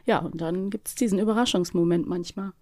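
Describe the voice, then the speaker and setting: A woman's voice: fairly low pitch, a little fast, a little mellow, dry recording, studio quality. A woman talking casually as a podcast guest, thoughtfully qualifying her opinions as she goes.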